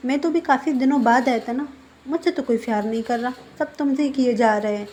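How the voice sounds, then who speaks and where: A petulant, jealous young man from a fan-fiction storybook, as a woman narrator puts him on. His voice sits a little high, and he sounds sulky and possessive. A faint hiss hangs behind him. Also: brisk, darkish tone, close to an everyday voice.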